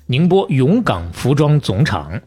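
A man with a Beijing accent hosting a podcast, telling stories in a lively, colloquial, folksy conversational way. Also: mid-range voice, measured pace, breathy edge. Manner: colloquial and folksy, with proverbs and acted-out asides. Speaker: podcast host.

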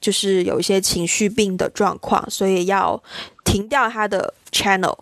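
A woman's voice: mid-range voice, fairly even intonation, normal speed, vocal fry, dry recording, studio quality. A woman, co-hosting a casual podcast in a reflective conversational manner. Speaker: podcast co-host.

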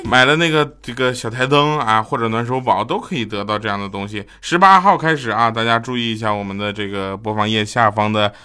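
A man's voice: on the low side, a little fast, hardly any pauses, clean tone. A man with a Northeastern Chinese accent hosting a comedy podcast, chatting casually and playfully and often breaking into laughter. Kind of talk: casual comic chat reading listener messages and telling jokes. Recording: loud background music. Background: music.

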